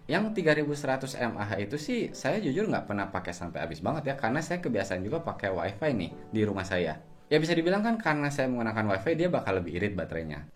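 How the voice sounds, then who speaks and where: A man giving a casual product review, explaining things colloquially and straight to the viewer. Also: mid-range voice. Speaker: host, gadget reviewer.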